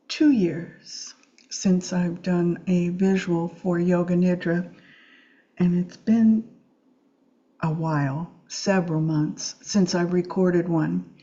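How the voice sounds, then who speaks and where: Low, mellow woman guiding meditation. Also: lo-fi sound. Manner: gentle, soothing, unhurried with long pauses. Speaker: meditation teacher. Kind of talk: guided Yoga Nidra meditation.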